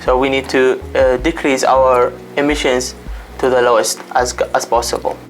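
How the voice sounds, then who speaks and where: Young Arab-man, halting student. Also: mid-range voice, flat delivery, rough recording. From Iraq. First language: Arabic. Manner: halting, frequent fillers. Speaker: PhD student. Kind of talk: interview, self-introduction. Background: faint music.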